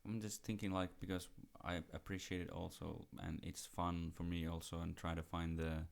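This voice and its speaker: Low, gravelly host asking hesitant questions. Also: male voice, flat delivery, moderate pace. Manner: hesitant, searching for words, many fillers. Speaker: podcast host. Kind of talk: interview questions.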